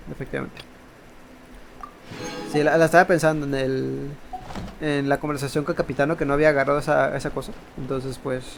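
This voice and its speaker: A man with a Latin American Spanish accent giving casual, rambling gameplay commentary and often correcting himself. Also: fairly high pitch. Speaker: gaming video host. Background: game music.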